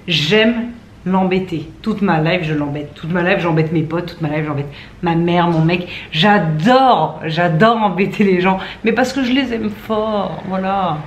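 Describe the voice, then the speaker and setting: A woman's voice: on the low side, measured pace, highs cut off, a little hiss or hum. A young woman in her twenties chatting casually and playfully to camera at home, teasing and mocking herself as she talks. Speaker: vlogger. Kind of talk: casual vlog chat to camera. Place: at home indoors.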